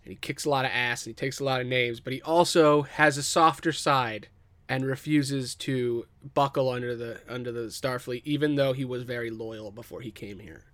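Man co-host, mid pitch, casual swearing brainstormer, dry close recording. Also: fairly even intonation, normal speed, a bit bright, dry recording. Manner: loose and profane, many fillers.

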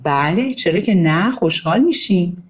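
A woman's voice: fairly low pitch, animated, breathy edge. A woman narrator voicing a hospitable, polite aunt in a children's story. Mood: welcoming. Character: warm, welcoming aunt.

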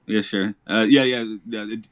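Chatty low-voiced man on a podcast. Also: steady tone, normal speed, clean tone, no room sound. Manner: chatty, laughs often, rambling restarts. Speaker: podcast host, English teacher. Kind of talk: casual podcast chat. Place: lives in Japan.

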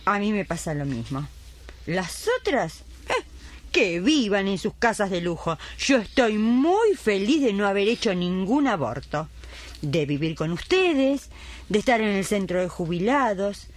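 A woman's voice: medium pitch, sing-song, measured pace. A woman playing an elderly retired midwife, devout and plain-spoken, in a radio drama. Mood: grateful. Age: older.

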